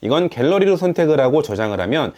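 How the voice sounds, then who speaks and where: A man hosting a tech channel, narrating a quick phone-settings tutorial in a brisk, explanatory way. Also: fairly high pitch, very animated, warm tone. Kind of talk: fast tutorial voice-over.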